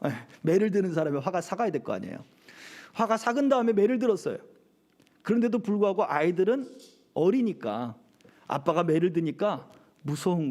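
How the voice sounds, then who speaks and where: A man's voice: sits high, darkish tone. A middle-aged male pastor preaching a sermon at a church service, often asking the congregation rhetorical questions.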